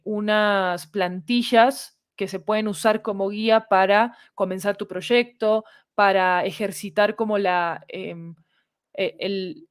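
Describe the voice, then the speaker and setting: A woman's voice: medium pitch, dry recording, studio quality. A woman explaining things conversationally as a podcast guest, discursive and often checking in with short tag questions. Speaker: podcast guest, fiction audio producer.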